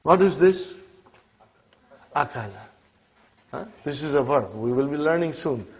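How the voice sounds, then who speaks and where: Man, language teacher, fairly high voice, keeps checking in with the class, muffled classroom recording. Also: expressive, measured pace, darkish tone, breathy edge. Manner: checks in often with "huh?" and "brothers and sisters". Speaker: Arabic teacher. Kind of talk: classroom grammar lesson.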